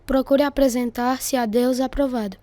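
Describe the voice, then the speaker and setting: Radio drama young son voiced by a woman, Brazilian accent, high pitch, well-behaved and polite. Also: fairly even intonation, normal speed, warm tone, no echo, natural voice. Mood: dutiful. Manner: dutiful, polite. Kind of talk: dramatized radio story acting.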